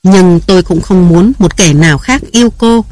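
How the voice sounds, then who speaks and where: A man's voice: high-pitched, moderate pace, a little mellow, no room sound, clean studio sound, lightly acted. A man reading aloud who voices a jealous, domineering young husband barking harsh commands and threats. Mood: furious.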